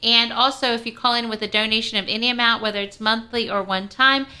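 A woman's voice: a little high, steady tone, fast, bright, forceful tone, smooth. A woman hosting a radio pledge drive, chatty and explaining things step by step.

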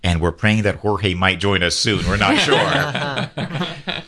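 A man's voice: deep voice, big pitch swings, takes it slowly, pushed and bright. A man, a priest, hosting a radio talk show, earnestly exhorting and leading call-and-response prayer.

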